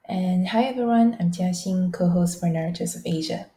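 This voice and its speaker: A young woman from Malaysia co-hosts a podcast in a conversational style. Her voice is lowish and very mellow. The sound is roomy, with echo around her. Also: normal speed. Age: young adult. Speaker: podcast co-host. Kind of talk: conversational interviewing. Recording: roomy echo, faint noise.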